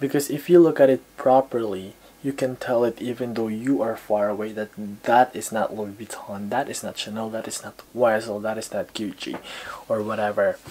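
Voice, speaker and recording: A man at a medium pitch with a Filipino accent and ordinary pitch variation, talking at a moderate pace over noticeable background noise. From Philippines. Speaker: vlogger. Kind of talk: casual chat, reading comments aloud. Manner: hesitant, filler-heavy.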